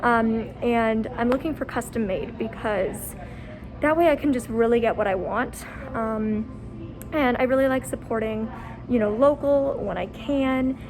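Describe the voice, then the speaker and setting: A woman's voice: on the high side, unhurried. A woman in her twenties, from Canada, chatting casually in a vlog, full of "like" and "um" fillers. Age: 20s. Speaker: vlogger. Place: at home, then a furniture store.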